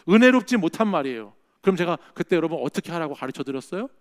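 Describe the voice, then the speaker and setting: A male pastor preaching a sermon in a church, talking in a conversational way and often checking in with the congregation. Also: sits high. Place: church sanctuary.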